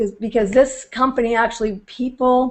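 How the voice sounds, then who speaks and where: A woman speaks at a fairly high pitch in a monotone, flat intonation. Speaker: network marketing entrepreneur. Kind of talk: webinar training talk. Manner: fast.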